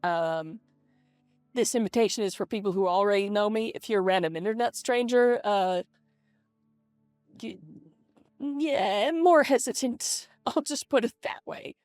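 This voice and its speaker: A young adult woman talking casually and confessionally in a vlog through a voice changer, in a hesitant, halting way with repeated words. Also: mid-range voice, no room sound. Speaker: vlogger. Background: soft lo-fi video game music.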